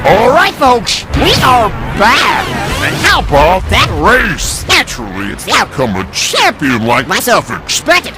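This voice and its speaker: A man voicing a cocky, pompous race car who presents a TV show in a video game, run through a pitch-shifting voice changer. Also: huge pitch swings, measured pace, few pauses, full character voice. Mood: smug showmanship. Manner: pompous, self-important, easily exasperated. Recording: loud music behind voice.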